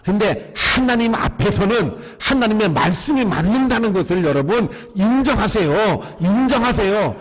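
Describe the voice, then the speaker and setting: A male pastor preaches to his congregation in a high voice. He keeps asking them questions and having them repeat his lines back to him. The sound rings with the long reverb of a church sanctuary. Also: animated, moderate pace, few pauses. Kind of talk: sermon.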